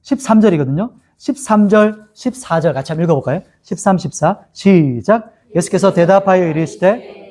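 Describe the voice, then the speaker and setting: A man's voice: sits high, normal speed, warm tone. A male pastor teaching a Bible-study sermon in a chatty way, asking his listeners questions and laughing often.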